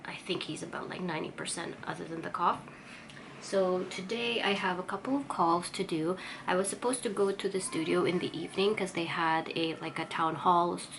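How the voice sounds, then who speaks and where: A woman's voice: lowish voice, vocal fry, a bit bright, slight background noise. A woman vlogger with a congested, sniffly voice, giving a casual, rambling, self-effacing update on her day. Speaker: vlogger and artist. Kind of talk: casual chatty vlog update.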